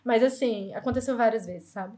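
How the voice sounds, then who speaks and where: Woman, Brazilian Portuguese accent, 30s, quick lively storytelling, interview guest, somewhat high voice. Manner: lively, fast-talking anecdotes. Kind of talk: casual storytelling.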